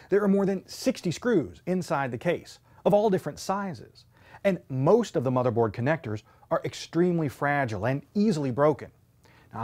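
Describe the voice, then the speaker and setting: A man in his thirties hosting a scripted tech teardown show, speaking clearly and emphatically from an indoor studio set. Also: a little high, a little mellow. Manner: clear, emphatic presenter delivery.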